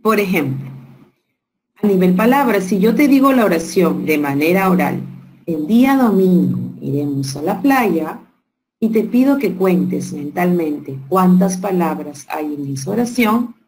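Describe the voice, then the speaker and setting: Woman teaching an online workshop, slow and careful, lowish voice with some gravel, bit of hiss behind. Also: expressive, darkish tone, rough recording. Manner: slow, explanatory, with rhetorical questions. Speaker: teacher trainer.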